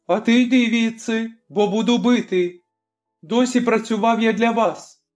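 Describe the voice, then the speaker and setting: A narrator voicing a rough young village man who threatens and mocks slowly, in an audiobook. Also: medium pitch, soft background music, pitched above the performer's own voice, close to an everyday voice. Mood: threatening. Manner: slow, taunting, threatening. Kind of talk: audiobook character voice.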